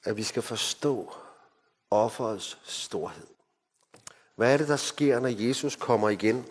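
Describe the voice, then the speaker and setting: A man from Denmark preaching a sermon, moving between emphatic lines and hushed, solemn ones. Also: mid-range voice, husky. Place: mission hall. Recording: hall reverb.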